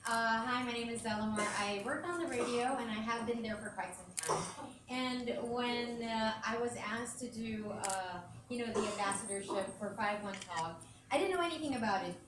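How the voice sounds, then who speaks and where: A woman gives a frank, chatty speech at a press conference. Her voice rings through a large, reverberant hall. It sounds distant from the mic, with clear ambient noise underneath. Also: fairly high pitch, normal speed. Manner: candid, conversational, laughs easily. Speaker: radio host, brand ambassador.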